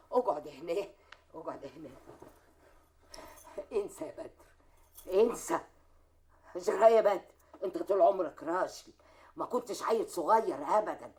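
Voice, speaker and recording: A woman's voice: sits high, darkish tone, natural voice. An actress with an Egyptian accent playing an older, doting mother who pleads with and tenderly coaxes her grown son. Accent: Egyptian Arabic. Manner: pleading, then tenderly coaxing. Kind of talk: TV drama acting.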